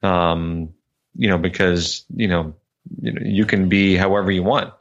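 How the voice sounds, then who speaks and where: A man in casual conversation, speaking thoughtfully with many pauses and fillers. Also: sits low, little pitch movement, dull audio. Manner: hesitant, lots of fillers.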